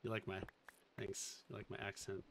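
Man, faint Boston accent, low voice, chatty game streamer, clicking keys behind. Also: level tone, moderate pace, noisy background. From Boston area. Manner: chatty, thinking aloud, reading chat. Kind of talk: casual live-stream commentary.

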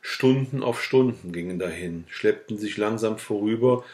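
Male audiobook reader, fairly low voice, steady and calm narration of a classic novel. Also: moderate pace. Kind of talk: reading a classic novel aloud.

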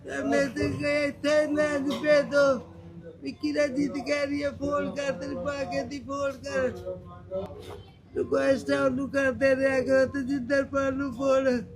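Crying older woman, high and flat. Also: crowd noise. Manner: soft, halting, pleading. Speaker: mother appealing to her absent son. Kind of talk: tearful plea in conversation.

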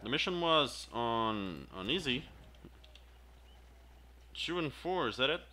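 A man talking casually while he plays a shooter, echoing the instructor's words back and reacting as he goes. He speaks slowly, with a sharp, bright edge to his voice, and a faint hiss sits under the recording. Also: mid-range voice, very animated. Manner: muttering reactions, repeating in-game lines. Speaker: gameplay video host. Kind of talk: casual gameplay commentary.

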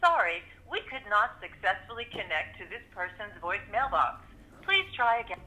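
A woman's voice: medium pitch, sing-song, moderate pace, bright, forceful tone. A recorded woman's voice giving polite, scripted voicemail announcements, heard over a phone line. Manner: polite, scripted, evenly spoken. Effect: played over a phone line. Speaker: automated voicemail prompt. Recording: noisy phone-line call audio.

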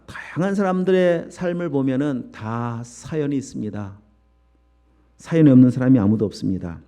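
A man's voice: a little high, dark tone. A male pastor preaching an emphatic sermon full of rhetorical questions to his church congregation.

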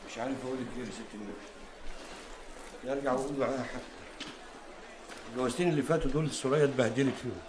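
A man's voice: medium pitch, steady tone, racing, pauses often, close to an everyday voice. An actor playing a weary, resigned father figure in an Egyptian television drama, with an Egyptian accent. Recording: echoey room with background noise.

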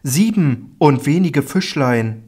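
A man's voice: fairly high pitch, sing-song, slow, a little mellow, husky, voice pushed up, exaggerated voice. A man voicing worried questioning followers. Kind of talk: solemn Bible audiobook reading.

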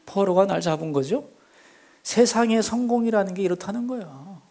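Animated high-voiced Korean pastor preaching. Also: male voice, normal speed. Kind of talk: sermon. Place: church sanctuary.

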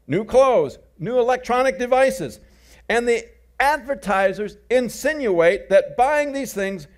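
A middle-aged man preaching, with a voice pitched high for a man. He tells folksy stories, slips in jokes and says his main points twice. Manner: folksy storytelling with jokes and repeated key phrases. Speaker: pastor. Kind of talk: sermon.

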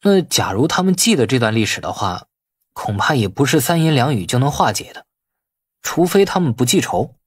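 A man's voice: mid-range voice, very animated, moderate pace, slightly rough, dry recording, clean studio sound. A man voicing a wily, outwardly deferential nephew in an audiobook, glib and colloquial in his arguing. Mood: defensive, reluctant. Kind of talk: audiobook character acting.

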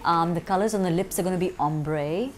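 A woman in her forties with a fairly low voice talks about her work in an interview, chatty and full of small ums and restarts. She speaks into a lapel mic indoors, with a faint hiss of room noise behind her. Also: fairly quick. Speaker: makeup artist and salon owner. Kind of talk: interview answers. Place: makeup studio with a backdrop, indoors.

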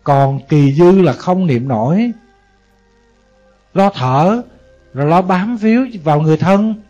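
A man's voice: on the high side, lively intonation, a little slow, mellow. A male Buddhist monk with a Southern Vietnamese accent, preaching in a conversational way and asking the audience rhetorical questions. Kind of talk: Buddhist sermon. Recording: dull lo-fi audio, faint music behind.

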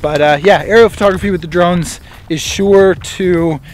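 A man in his thirties talking casually to a handheld camera outdoors on a hillside trail, relaxed and chatty with lots of fillers. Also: high voice, normal speed. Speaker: vlogger and photographer. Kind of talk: casual vlog talk to camera. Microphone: action camera held at arm's length.

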